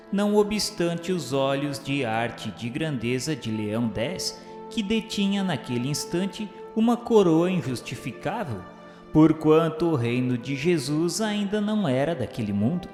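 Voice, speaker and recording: A man with a Brazilian Portuguese accent reads a religious radio drama narration in a formal, solemn, measured way. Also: medium pitch, a little mellow. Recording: roomy reverberant sound with music underneath. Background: music.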